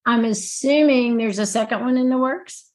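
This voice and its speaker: A woman's voice: fairly high pitch, moderate pace, a little mellow. A woman hosting a podcast interview, encouraging her guest with brief affirmations. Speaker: podcast host. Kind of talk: casual interview conversation.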